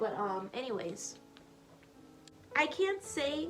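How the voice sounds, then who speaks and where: A soft-spoken woman talks with music in the background. Audible echo fills the room. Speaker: beauty vlogger. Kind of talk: casual chat.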